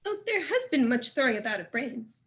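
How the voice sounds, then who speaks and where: A woman acts an eager courtier attending a prince. The delivery is animated and fairly high in pitch, deferential in a Shakespearean stage style. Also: brisk. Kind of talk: dramatic reading of Shakespeare.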